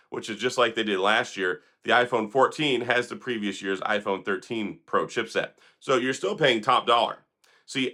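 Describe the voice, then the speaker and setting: Hoarse after days of being sick and still recovering, a man hosts a tech commentary vlog full of opinions. His voice sits on the low side with a sharp tone, and he rambles in a sarcastic, critical way.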